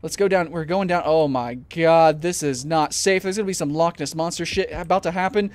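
A young man commentating his gameplay at a desk mic at home, jumpy and swearing, often breaking into panicked shouts. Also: fairly high pitch, a little fast, no echo. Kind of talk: let's play commentary.

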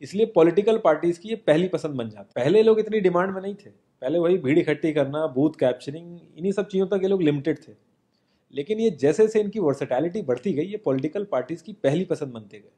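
A man's voice: a little high, animated, fast, warm tone. A young man gives an earnest, informal monologue to camera, seated in an indoor studio. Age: young adult. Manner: earnest, informal, addresses the viewer as "yaar". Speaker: social commentary presenter.

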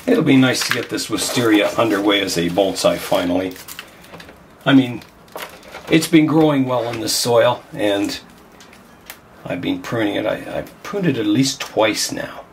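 The host of a bonsai channel, an older man hoarse from a cold, talks casually and thinks aloud as he works with his hands in a glass greenhouse. His fairly low voice is expressive and unhurried. Background noise can be heard.

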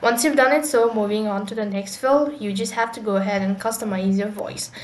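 An echoey, noisy home-style recording of a woman hosting a how-to tutorial. Her voice sits at a middle pitch. She explains each step haltingly, often repeating her phrases. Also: steady tone. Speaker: tutorial host. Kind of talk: explanatory screen tutorial voice-over. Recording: echoey room with clear background noise.

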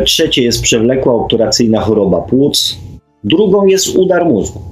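A man's voice: fairly low pitch, rough recording. A man hosting a radio monologue, hesitantly reading out figures and repeating them for emphasis. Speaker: radio show host.

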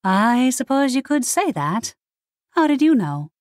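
A woman's voice: high voice, sing-song, a little slow, no room sound, studio quality, pitched above the performer's own voice. A woman voicing a young modern witch in an audiobook, plain-spoken and bemused. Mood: puzzled. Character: young modern witch, puzzled straight-talking sleuth. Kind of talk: audiobook character dialogue.

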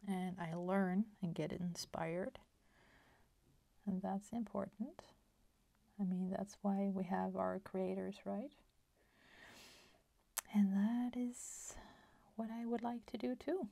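A Swedish woman in her forties with a Swedish accent, chatting softly at her craft table with many fillers and half-whispered asides. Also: mid-range voice, flat delivery, slow pace, vocal fry, long pauses, dry recording. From Sweden. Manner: soft-spoken, slips into whispers, many fillers. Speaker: crafting channel host. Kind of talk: casual chat while crafting. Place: home craft table, indoors.

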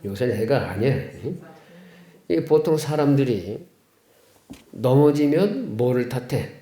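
A Catholic priest gives a homily in a folksy, questioning way and keeps turning to the congregation for replies. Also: male voice, medium pitch, lively intonation, unhurried, mellow. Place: chapel of a care center. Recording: echoey room.

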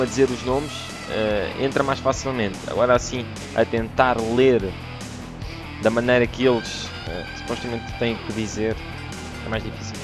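An excitable young man with a European Portuguese accent, chatting through a wrestling game as a let's play. His voice sits at a middling pitch and keeps bursting into exclamations, with faint game music underneath. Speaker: gaming YouTuber.

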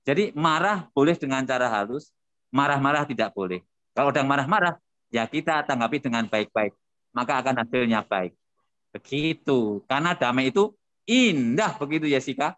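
An older man speaking at a seminar over a video call, casual talk with lively storytelling. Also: mid-range voice, moderate pace, no room sound. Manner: lively storytelling with acted quotes.

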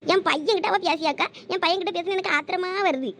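A tearful, resentful village mother with a Thoothukudi accent, played by a woman in a village drama. Her voice sits lower than the housewife's and moves quickly through her grievances. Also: fairly bright tone, slight background noise. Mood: aggrieved. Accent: Thoothukudi Tamil. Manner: complaining, tearful.

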